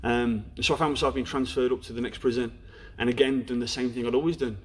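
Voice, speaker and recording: A man's voice: medium pitch, steady tone, fast, husky. A young man with a Black Country accent, frankly telling his life story as an interview guest. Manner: frank, storytelling, peppered with "you know". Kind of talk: candid personal story in a podcast interview.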